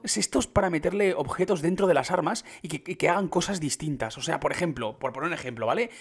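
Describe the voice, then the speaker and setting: A young man with an accent from Spain, reacting to a game update and talking it through for his viewers, keeping his voice down late at night until excitement breaks through. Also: fairly high pitch, husky. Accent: Spain Spanish. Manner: hushed and restrained, bursting into excited exclamations. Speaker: gaming youtuber.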